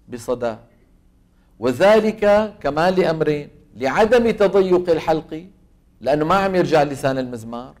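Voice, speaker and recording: Man, Levantine Arabic accent, recitation teacher, higher voice, asks and answers his own questions, repeats sounds to demonstrate. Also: a little mellow. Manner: asks students questions and answers them himself. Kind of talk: classroom lecture on tajweed.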